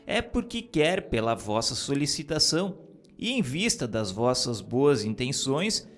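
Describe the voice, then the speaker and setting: Male narrator, solemn scripted spiritual reading, unhurried delivery with lively intonation over background music. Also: mid-range voice.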